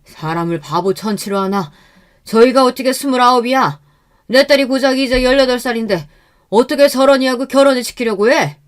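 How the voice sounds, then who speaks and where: Woman doing a furious shouting village father. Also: a little high, brisk, voice pushed up, lightly acted. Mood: outraged. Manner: loud indignant shouting. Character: angry middle-aged village father, protective, shouting.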